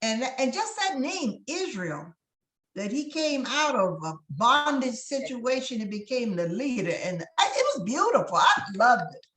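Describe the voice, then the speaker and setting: A woman's voice: a little high, very animated, unhurried, fairly bright tone. An older woman in a senior writing class, talking with enthusiasm and admiration. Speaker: class participant. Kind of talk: casual group talk. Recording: roomy room.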